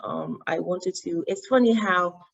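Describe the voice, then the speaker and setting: A woman from Cameroon with a Cameroonian accent, her first language Yemba, telling her story as an interview guest in an animated way with frequent restarts. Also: lowish voice, measured pace, vocal fry. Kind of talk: interview conversation. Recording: dull lo-fi sound.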